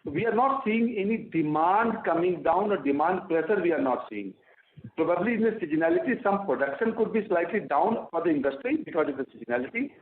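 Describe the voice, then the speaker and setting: High-pitched Indian man on an echoey phone line. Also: expressive, fairly quick. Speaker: company executive on an earnings call. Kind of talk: explanatory business talk on an investor call. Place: conference phone call. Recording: tinny phone line with room echo.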